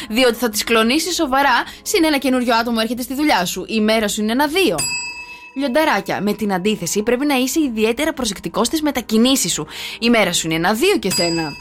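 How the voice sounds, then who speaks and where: A woman co-hosting a radio morning show, chatting casually and reading out horoscopes in a brisk, lively way. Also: fairly high pitch, background noise. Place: radio studio. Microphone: studio microphone.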